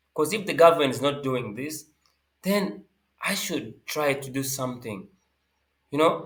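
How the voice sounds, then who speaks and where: With lively intonation and long, frequent pauses, a man talks at a moderate pace in a fairly high, somewhat breathy voice. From Uganda. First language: local Ugandan language. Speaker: nonprofit founder. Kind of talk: interview. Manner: halting, many fillers.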